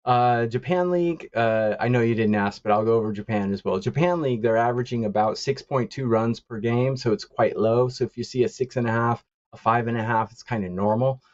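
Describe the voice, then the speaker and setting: A man talking casually about Asian baseball betting, halting with many fillers and chuckles. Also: medium pitch, darkish tone, dry recording, lo-fi sound. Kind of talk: casual call-in chat. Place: lives in East Asia.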